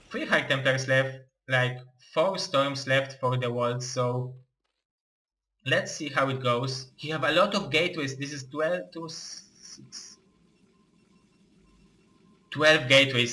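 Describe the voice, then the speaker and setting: A young man with an Eastern European accent, giving live play-by-play game commentary in halting, excitable non-native English. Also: mid-range voice, low-quality recording. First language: not English.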